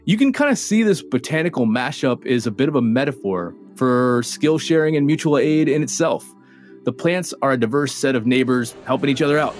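Man, mid-pitched host, playful scripted narration, soft music bed under him. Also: animated, fairly quick. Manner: playful, conversational. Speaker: host and reporter.

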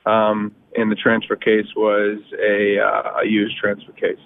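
A man calling in on a tinny phone line, speaking in a steady, flat tone. He stops and starts with plenty of ums and uhs, and the sound is dry and close. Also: on the low side, no echo. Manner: halting, many ums and uhs. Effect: heard over a phone line. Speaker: caller to a car advice show. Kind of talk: calling in to radio talk.

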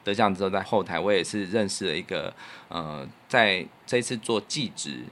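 A man's voice: deep voice, moderate pace, fairly bright tone, a little hiss or hum. A man with a Taiwanese Mandarin accent hosting a podcast in casual, reflective chat, telling anecdotes in an earnest way. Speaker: podcast host; musician.

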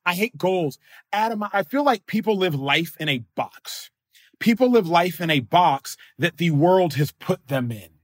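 A man in his thirties, a podcast guest, talking in an energetic, emphatic, slangy way. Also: fairly high pitch, no echo, clean studio sound. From Nigerian family, raised in the US. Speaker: podcast guest, former football player. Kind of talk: casual interview talk.

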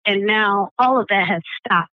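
A woman from Michigan who sings jazz on the street, talking reflectively with soft laughs in a phone interview. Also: mid-range voice, normal speed, no room sound. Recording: tinny phone line.

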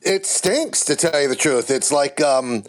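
A man's voice: a little high, animated, a little slow. A man speaking as an interview guest, candid and blunt, with vivid comparisons. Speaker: baseball TV play-by-play announcer, guest.

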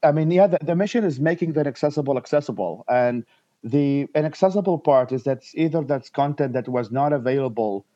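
A man from Iraq, in his thirties, answering interview questions in halting speech with frequent restarts and fillers. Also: medium pitch, warm tone, dry recording, highs cut off. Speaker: guest, nonprofit founder.

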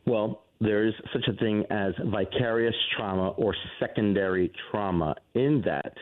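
A man, a counseling professor, calls into a radio show on a cell phone held to his ear. His line is buzzy and glitchy, and he explains things in a measured, formal way. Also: fairly low pitch. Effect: buzzy, glitchy cell phone line that breaks up. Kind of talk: call-in radio interview. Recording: tinny, crackly cell phone call.

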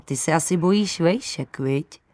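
A woman voicing a friendly, talkative adult male chimney sweep who speaks calmly and kindly. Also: sits low, no echo, natural voice.

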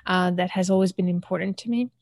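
Woman from Algeria, podcast guest, animated, laughs often, dry close sound. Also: on the low side, dry recording. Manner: animated, laughs often, talks fast in bursts. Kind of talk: casual interview storytelling.

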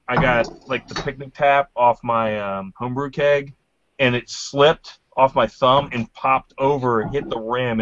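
A man's voice: medium pitch, fairly bright tone. A man chatting casually about beer and glassware, rambling with lots of ums and likes. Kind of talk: casual beer tasting chat. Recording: dry, slightly dull lo-fi sound.

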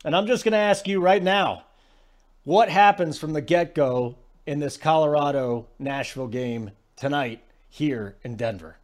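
A man's voice: on the high side, measured pace. A man hosting a sports betting radio show, talking in an emphatic, casual way and often asking "okay?".

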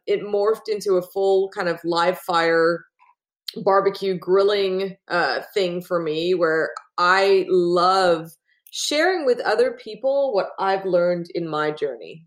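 A woman with an Australian accent blended with Texan, talking as a podcast guest in an enthusiastic, chatty way with frequent fillers. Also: lowish voice. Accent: Australian mixed with Texan. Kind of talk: casual interview chat.

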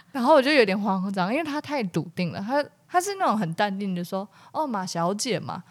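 A woman's voice: medium pitch, fairly quick. A woman with a Taiwanese Mandarin accent, co-hosting a casual comedy podcast and telling a story, acting out the other people in it. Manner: animated storytelling with laughs and acted quotes. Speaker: podcast co-host.

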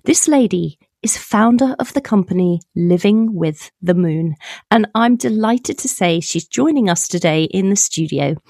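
A woman's voice: medium pitch, expressive, measured pace, darkish tone, no room sound. A woman from the United Kingdom hosting a podcast in a studio, giving a scripted introduction with some whispered asides before interviewing her guest. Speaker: podcast host.

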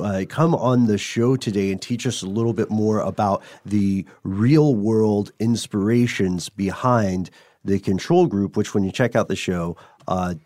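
A man with a fairly low voice co-hosts a conversational podcast. He speaks to guests and listeners alike, and the sound is dry with little room on it. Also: dark tone, no echo. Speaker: podcast co-host. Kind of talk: conversational interview and show sign-off.

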